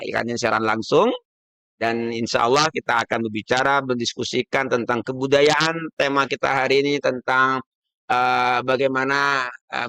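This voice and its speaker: A man's voice: medium pitch, sharp tone, smooth. A man hosting an informal live stream, chatty and often echoing what his guests say. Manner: chatty, repeats guests' words. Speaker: host.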